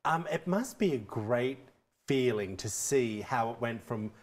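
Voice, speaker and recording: A man's voice: medium pitch, animated. Upbeat male TV talk show host. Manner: upbeat, chatty, quick interjections. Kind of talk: local TV studio interview. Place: TV studio set, seated in armchair. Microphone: lapel mic.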